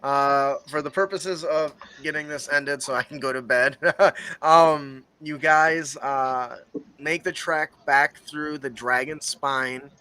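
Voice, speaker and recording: A man running a tabletop game as game master, narrating casually with many fillers and pauses. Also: a little high, fairly even intonation, sharp tone, clear, resonant tone.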